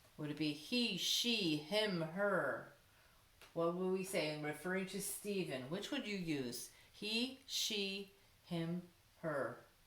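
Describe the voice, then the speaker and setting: With audible room echo and noticeable background noise, a woman at medium pitch speaks at a very slow pace with lively intonation. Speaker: elementary school teacher. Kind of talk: online lesson.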